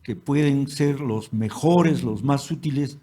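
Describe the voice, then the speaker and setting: Husky man hosting an interview. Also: medium pitch, slow, warm tone. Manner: poses long hypothetical questions, hesitant restarts. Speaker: host. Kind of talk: interview questions.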